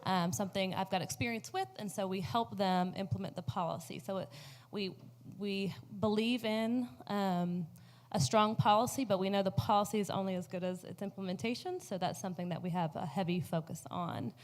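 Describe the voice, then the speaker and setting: A woman's voice: mid-range voice, fairly quick. A woman speaking as a panelist on education policy, earnest and explanatory, with many ums. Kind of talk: panel answer.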